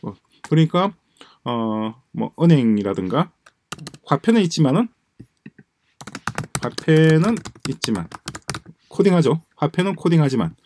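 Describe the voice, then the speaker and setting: A man's voice: fairly high pitch, very animated, unhurried, pauses often, a little mellow, a little hiss or hum. A man giving a screen-share lecture on automation, musing aloud, repeating phrases and trailing off into mumbles as he types notes. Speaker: presenter explaining a coding project. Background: keyboard typing.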